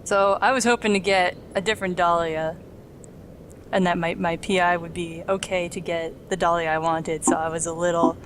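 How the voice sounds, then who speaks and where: A woman's voice: on the low side, steady tone, normal speed. Chatty lady doing game commentary, makes fun of herself, noisy background. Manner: chatty, self-mocking and joking. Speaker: let's play host. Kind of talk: casual gameplay commentary.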